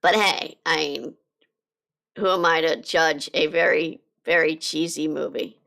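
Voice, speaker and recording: A woman chatting casually on a live drawing stream, her voice slightly hoarse from being sick, rambling with lots of fillers and restarts. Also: deep voice, steady tone, unhurried, pushed and bright. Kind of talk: casual chat while drawing.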